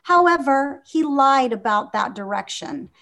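A woman's voice: high-pitched, animated, measured pace, sharp tone. A woman in her fifties from Venezuela, a guest in an interview, talking earnestly with many fillers and restarts. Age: 50s. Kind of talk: conversational interview.

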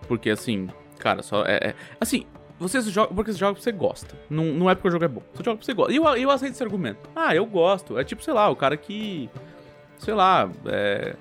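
A man's voice: high voice, very animated, quick pace, a bit bright, faint music behind. A Brazilian man co-hosting a podcast, ranting sarcastically in casual chat. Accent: Brazilian Portuguese. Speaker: podcast co-host.

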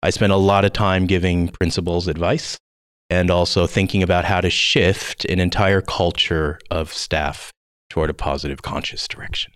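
A man's voice: deep voice, fairly even intonation, moderate pace, fairly bright tone, smooth, no echo, studio quality. A man in his forties with a Southern Californian accent, a guest on an interview podcast, talking in an eager, rambling way with many fillers. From United States. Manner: enthusiastic, rambling with fillers and laughs. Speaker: guest educator.

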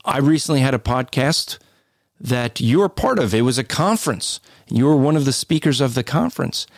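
A man with a deep, booming voice co-hosting a podcast, explaining things in a casual, conversational way. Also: lively intonation, normal speed, gravelly, no echo, clean studio sound. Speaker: podcast co-host.

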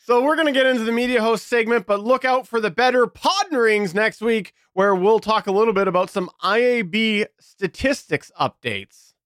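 A man's voice: high-pitched, expressive, normal speed, a bit bright, no room sound, clean studio sound. A man co-hosting a podcast, chatting casually about recording gear and laughing often. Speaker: podcast co-host. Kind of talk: casual tech chat.

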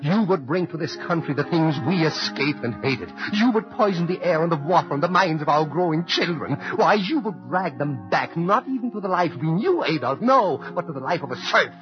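A man's voice: fairly low pitch, normal speed, lightly acted. An actor playing an immigrant American man who writes defiantly to a dictator, in the declamatory style of 1940s radio drama. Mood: resolute. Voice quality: declamatory, building to fervent cries. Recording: muffled 1940s radio broadcast with music.

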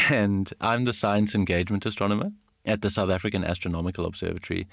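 Brief: low-voiced male co-host, easygoing, quick to laugh, dry close-miked sound. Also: vocal fry, no echo. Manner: laughs often, relaxed and self-deprecating. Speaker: podcast co-host, science engagement astronomer. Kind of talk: casual chat.

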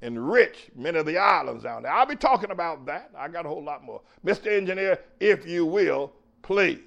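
A man's voice: fairly high pitch, animated, fairly quick, gravelly, a bit bright, dull audio. A man hosting his own show as a pastor, preaching emphatically, repeating phrases and calling cues to his engineer. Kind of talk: preaching talk show monologue.

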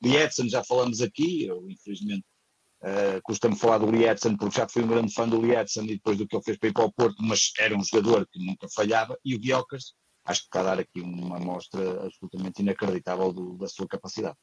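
A man's voice: fairly low pitch, fairly even intonation, fast talker, breathy edge, no room sound. A man with a European Portuguese accent talking football in casual chat over a remote call, his voice coming through half robotic and metallic. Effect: half robot voice, metallic glitchy call audio. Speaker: football pundit on a live stream. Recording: muffled, dull remote call line.

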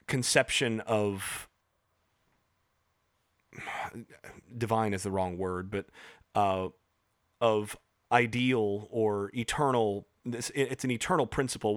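A man explaining ideas in a casual podcast discussion, professorial and halting, with frequent restarts and fillers. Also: lowish voice, no room sound, clean studio sound. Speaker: podcast co-host.

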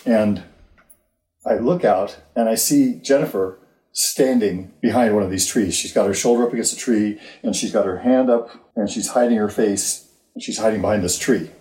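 An older man, a youth fitness coach, tells stories in a relaxed podcast chat and acts out his own shouts along the way. His voice sits fairly low and mellow. The room around him rings with echo. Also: normal speed. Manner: acts out his own yelling in retold scenes. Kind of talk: casual storytelling on a podcast. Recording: roomy echo.

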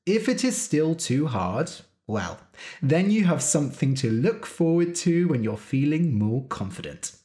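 A podcast host speaking slowly and clearly for English learners, spelling out web addresses letter by letter. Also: medium pitch, a little mellow. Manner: careful and deliberate.

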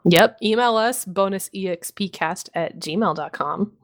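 A woman's voice: mid-range voice, measured pace, noisy background. Casual laughing woman podcast co-host. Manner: laughing, swearing, animated storytelling. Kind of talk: casual chat.

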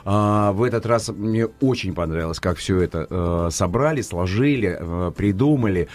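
An older man, an actor and former children's TV presenter, telling stories as a guest in a radio studio, lively and emphatic. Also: low voice, normal speed. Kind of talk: studio interview.

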